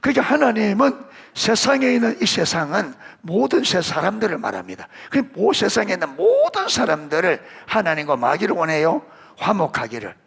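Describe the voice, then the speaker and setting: Male pastor, middle-aged, gravelly voice, lively pitch, sermon that quizzes the congregation. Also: brisk. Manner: questions the congregation and calls on children by name; animated, rising emphasis on scripture.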